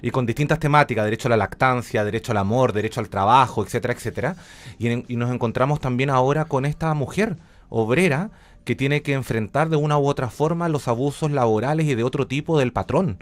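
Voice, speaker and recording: Male interview guest, Chilean accent, medium pitch, conversational, explanatory, wanders off on tangents. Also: fast talker. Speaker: interview guest, radio drama director.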